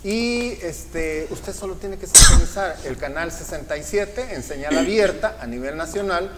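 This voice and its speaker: Middle-aged male TV host, slightly high voice, promotional patter, reverberant studio. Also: lively intonation, moderate pace, very noisy. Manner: promotional, repeats schedule details. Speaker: TV interview host. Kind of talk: political TV interview.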